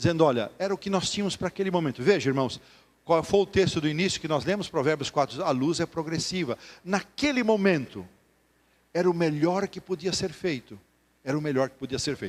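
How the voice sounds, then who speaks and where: Talking at a fairly quick pace, a man with a fairly high voice and ordinary pitch variation leaves long, frequent pauses. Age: 60s. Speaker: retired pastor. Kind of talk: sermon. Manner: animated.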